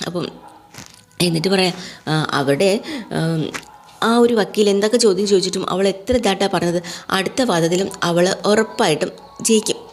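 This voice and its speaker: A woman's voice: mid-range voice, darkish tone. A woman casually retelling a TV serial episode in a chatty way, with frequent tag words. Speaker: serial recap narrator. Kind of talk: casual spoken recap of a TV serial.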